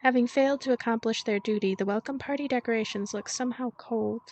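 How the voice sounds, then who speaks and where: A woman hosting a let's play, reading a visual novel aloud as expressive narration with casual commentary. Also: fairly high pitch, quick pace.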